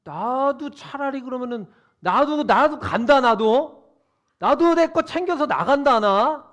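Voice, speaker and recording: A man voicing a resentful older brother, complaining loudly that he is treated unfairly. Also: very high voice, sing-song, normal speed, voice pushed up. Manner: loud, aggrieved complaining.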